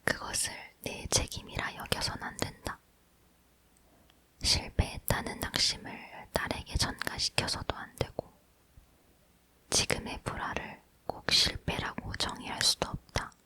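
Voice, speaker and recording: A woman's voice: unhurried, sharp tone. A woman reading a book aloud as ASMR, leaning in to whisper closely and breathily into a near microphone. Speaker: ASMR reader.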